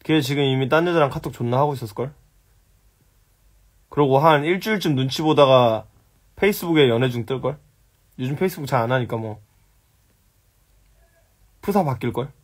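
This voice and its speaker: A man's voice: mid-range voice, normal speed, pauses often. Blunt, swearing young man on a live stream. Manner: blunt, teasing, swears at viewers. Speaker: live-stream host answering viewer questions. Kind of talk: casual live-stream chat. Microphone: phone.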